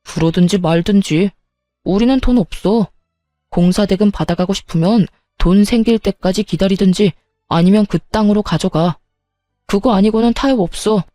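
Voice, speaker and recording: A woman's voice: medium pitch, normal speed, dark tone, no room sound, soft background music, lightly acted. A woman voicing a self-righteous young husband who talks in a cold, dismissive, stubborn way.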